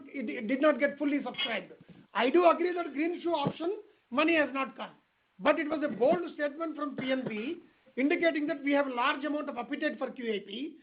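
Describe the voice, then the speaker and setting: A man with an Indian accent answering investor questions as an executive, explaining emphatically and repeating phrases. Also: extremely high pitch. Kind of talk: spontaneous earnings call answers. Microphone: conference call line. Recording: phone-like call audio with faint noise.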